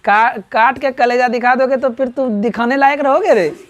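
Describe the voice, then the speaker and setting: A man's voice: very high-pitched, steady tone, moderate pace, highs cut off. A man with a Bihari Hindi accent teaching a grammar lesson to a class, firing questions at students and checking with them constantly. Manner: quizzes students in call-and-response, keeps asking "right?".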